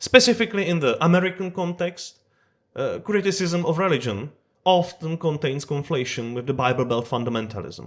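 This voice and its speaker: At a fairly quick pace, a man speaks with a Czech accent and a high pitch. His pitch swings very widely. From Czech Republic. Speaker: video essayist. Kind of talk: scripted narration.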